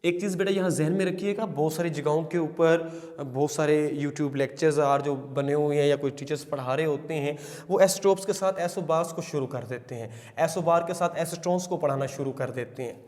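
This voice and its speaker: A middle-aged man with a Pakistani Urdu accent lectures on chemistry in a fairly high voice. He coaxes his students with questions and dictates English definitions slowly, word by word. The recording has a long hall-like reverb. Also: darkish tone. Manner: coaxing, calls students beta, asks and answers questions. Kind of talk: recorded entry-test lecture.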